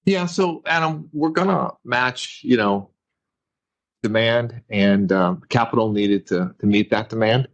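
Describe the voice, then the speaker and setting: A man speaking as a company executive, giving measured, careful business answers on an earnings call. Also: mid-range voice, no echo, dull audio.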